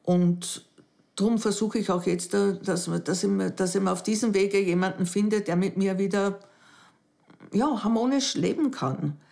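Widowed woman, soft gravelly voice. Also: mid-range voice, moderate pace. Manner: hesitant, reflective, softening into near whispers. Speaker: dating show candidate. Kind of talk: emotional interview. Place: living room at home.

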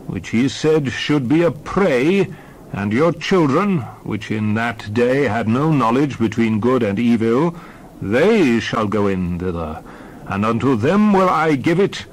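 A man's voice: medium pitch, sing-song, slow, low-quality recording. A man playing a solemn prophet addressing his people, grave and oratorical, in a dramatized scripture reading. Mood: solemn, admonishing.

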